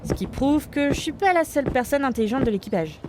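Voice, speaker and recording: Self-assured, sarcastic female ship's cartographer acted by a woman, slightly high, swinging intonation, audio comedy drama. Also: lively intonation, quick pace, background noise. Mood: smug. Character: proud, sharp-tongued female pirate cartographer. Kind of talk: French comic audio drama acting.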